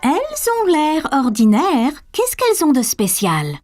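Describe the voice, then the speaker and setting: A woman voicing a gentle, encouraging cartoon mother who speaks softly. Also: high-pitched, huge pitch swings, unhurried, soft background music, full character voice.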